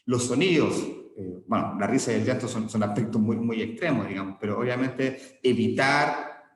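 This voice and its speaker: A man's voice: mid-range voice, normal speed. A man teaching an online class, explaining step by step with frequent check-ins and small restarts. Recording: echoey room with long reverb.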